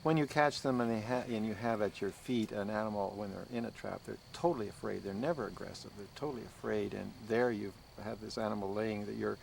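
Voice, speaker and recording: A man's voice: lowish voice, brisk, gravelly, few pauses, a little mellow, a little hiss or hum, poor audio. A man who works as a wildlife researcher, talking earnestly and reflectively in a documentary interview.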